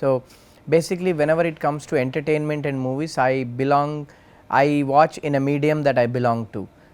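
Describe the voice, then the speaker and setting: A man speaks with a Telugu accent. His pitch is fairly high and his pace fairly quick. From India, Telugu-speaking region. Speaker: entrepreneur, subject of biopic. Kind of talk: interview.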